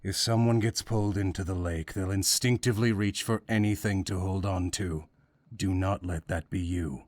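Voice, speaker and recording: An actor playing a stern, detached guide in a visual novel, speaking in a terse, expressionless way. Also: male voice, deep voice, steady tone, normal speed, a little mellow, no echo, close to an everyday voice. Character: stern, nameless male guide, detached and blunt.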